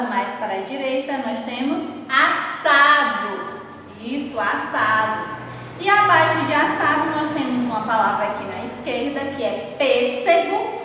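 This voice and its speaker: A Brazilian Portuguese-accented woman teacher going over a workbook lesson, speaking slowly and clearly and spelling out syllables letter by letter. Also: high-pitched, bright, forceful tone. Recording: echoey room, far from the mic, faint hiss.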